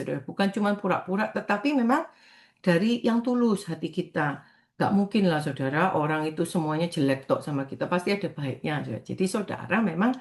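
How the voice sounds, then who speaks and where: A middle-aged woman evangelist giving a morning prayer sermon, talking to her listeners in a conversational way and often calling them brothers and sisters. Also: medium pitch. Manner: warm conversational preaching, often addresses listeners as "saudara".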